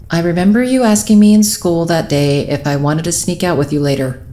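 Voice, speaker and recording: A woman's voice: fairly low pitch, normal speed, warm tone, natural voice. A woman acting in an audio drama as a wry, guarded character who recalls a youthful misadventure in a dry, sardonic manner. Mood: guarded, reluctant. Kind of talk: audio drama narration and dialogue.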